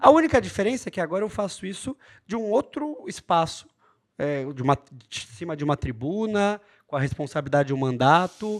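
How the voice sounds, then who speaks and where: In a very clean recording with a silent background, a man with a high pitch talks at a fairly quick pace, his pitch swinging very widely and his loudness swinging a lot. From São Paulo, Brazil. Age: 20s. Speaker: state legislator. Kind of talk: interview.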